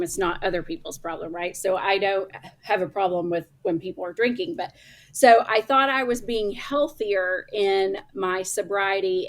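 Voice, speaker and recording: A middle-aged woman with an Oklahoma accent, a guest chatting in bursts about her work as a coach. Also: medium pitch. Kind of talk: casual chat.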